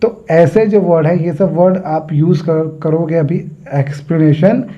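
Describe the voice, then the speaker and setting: A man's voice: on the high side, unhurried, warm tone. Teacher guy going through english words one by one with everyday examples, kinda muffled lo-fi audio. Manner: explains each word with everyday examples. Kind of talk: vocabulary lesson. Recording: dull lo-fi sound.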